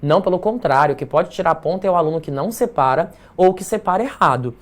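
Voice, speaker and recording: A man's voice: a little high, lively intonation, quick pace. Chatty Brazilian man teaching a live class. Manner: chatty, playful, tags remarks with "tá?". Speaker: essay-writing teacher.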